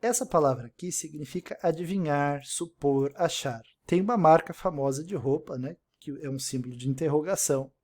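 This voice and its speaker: In a recorded online language lesson, a man teaches English in Portuguese, walking through it step by step, repeating example words and often checking in with "né?". His voice is a little high and darkish in tone, at normal speed with few pauses.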